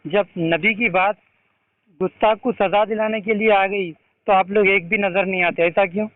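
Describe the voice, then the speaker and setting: An Indian man with a Hyderabadi accent, an activist, questions a religious leader over the phone, pressing insistently and accusingly and often cutting in. His voice is high-pitched and steady at a moderate pace. The dry phone call recording sounds tinny and narrow-band.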